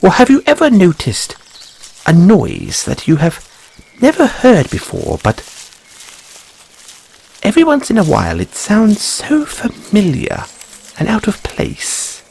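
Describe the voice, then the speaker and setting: A man's voice: sits high, wildly swooping pitch, unhurried, gravelly, pauses often, a little mellow, a little hiss or hum, exaggerated voice. A man voicing a fussy, curious white rabbit boy in an audio roleplay, with courteous, ornate phrasing and a stammer. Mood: mysterious, intrigued. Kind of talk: audio roleplay addressed to the listener.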